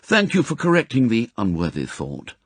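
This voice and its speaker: A man's voice: mid-range voice, huge pitch swings, normal speed, breathy edge, dry recording. A man voicing an urbane British secret agent in an audiobook, with dry, ironic understatement.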